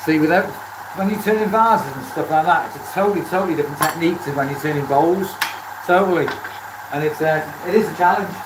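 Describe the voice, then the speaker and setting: A man with a Welsh accent chatting casually on a livestream while he works, often repeating phrases for emphasis. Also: fast talker. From Wales. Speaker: live streamer, beginner woodturner. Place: indoor woodturning workshop. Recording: echoey workshop, loud machinery noise. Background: lathe motor rumble.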